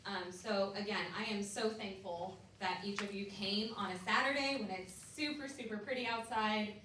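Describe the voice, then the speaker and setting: A woman's voice: mid-range voice, normal speed, fairly bright tone. Woman hosting in an echoey room. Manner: friendly, loose and improvised. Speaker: event host. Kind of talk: casual welcoming remarks. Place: indoor event room, chairs in a circle. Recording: echoey room, distant mic, faint noise.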